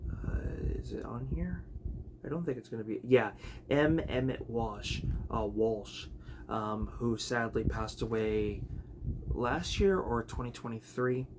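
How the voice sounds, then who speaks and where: A man chatting casually about his video collection, rambling with many fillers and restarts, his voice a bit raspy. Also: mid-range voice, lively intonation, unhurried. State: raspy, clearing throat. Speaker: home video collector vlogger. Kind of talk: casual unscripted chat. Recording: noticeable background noise.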